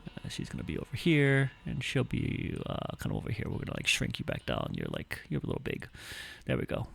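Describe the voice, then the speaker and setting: A man running an online tabletop game as game master, narrating a scene in a halting way, full of fillers. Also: mid-range voice, wildly swooping pitch, vocal fry, a little hiss or hum.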